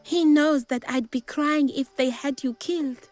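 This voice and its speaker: High-voiced, melodramatic scornful young woman. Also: fairly even intonation, unhurried, a little mellow, faint music behind. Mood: regretful, firm. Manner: melodramatic, emphatic. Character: fiery, scornful young woman, kept lover of a gangster. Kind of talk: dramatic video game acting.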